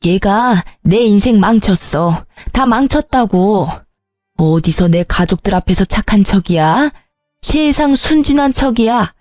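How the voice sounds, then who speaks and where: A woman's voice: mid-range voice, expressive, a little slow, a little mellow, dry recording, studio quality, soft background music, close to an everyday voice. A woman voicing a spiteful, whiny grown sister-in-law who screeches and pleads. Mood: venomous.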